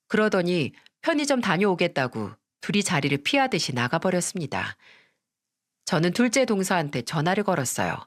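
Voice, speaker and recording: Expressive Korean woman storyteller. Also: on the low side. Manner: expressive, dramatic telling. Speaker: narrator. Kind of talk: first-person storytelling narration.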